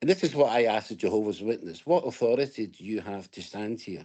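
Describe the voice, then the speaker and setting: Against a quiet background, a man with a Scottish accent speaks in very wide pitch swings. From Scotland, Glasgow. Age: 60s. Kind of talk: interview testimony.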